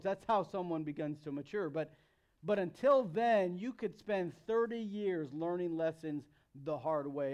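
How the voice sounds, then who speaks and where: High-voiced American man preaching to youth. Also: darkish tone. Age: 30s. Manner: conversational, emphatic, repeats phrases for emphasis. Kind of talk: sermon to young people.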